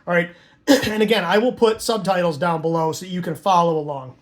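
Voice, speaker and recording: Higher-pitched man giving an informal tutorial. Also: fairly even intonation, fairly quick. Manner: casual, conversational asides. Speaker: amateur radio instructor and operator.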